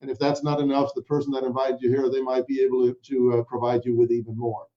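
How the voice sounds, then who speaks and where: A man's voice: medium pitch, level tone, fast talker, highs cut off. A man from Denmark hosting a webinar, upbeat and chatty, talking straight to the audience and introducing a guest. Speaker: webinar host. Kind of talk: presenting a sales webinar.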